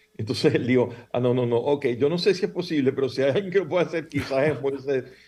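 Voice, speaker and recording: Speaking very fast, a man with a somewhat breathy, dark, mellow voice holds a medium pitch with ordinary pitch variation. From Venezuela. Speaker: theatre director and playwright. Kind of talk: interview. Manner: halting.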